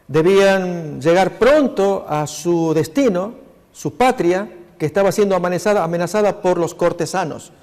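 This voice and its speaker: A man's voice: sits high, darkish tone. A man pastor preaching a sermon over slides, earnestly addressing his congregation. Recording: long hall reverb.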